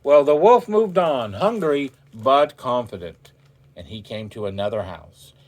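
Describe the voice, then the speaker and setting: With an animated, unhurried, slightly mellow voice of medium pitch, a man tells a children's story dramatically. He lingers on words for effect and talks directly to those listening.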